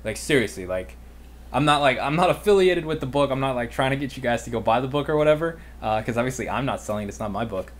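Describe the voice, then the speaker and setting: A man's voice: mid-range voice, expressive, fast. A man in his twenties with an American accent, chatting casually and informally as he answers viewer questions as a livestream host. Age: 20s. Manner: informal, youthful slangy phrasing. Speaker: online business livestream host and mentor.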